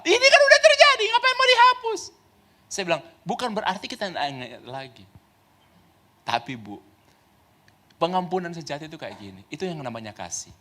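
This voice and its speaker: Animated high-voiced pastor preaching. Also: male voice. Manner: animated, swings between loud exclamations and soft asides, laughs often. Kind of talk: lively sermon with storytelling. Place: church.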